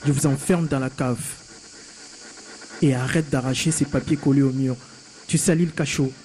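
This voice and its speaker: A man's voice: medium pitch, fairly even intonation, normal speed, a little mellow, a little hiss or hum, natural voice, poor audio. An actor playing a stern male jailer who threatens a prisoner, in a cold and commanding way.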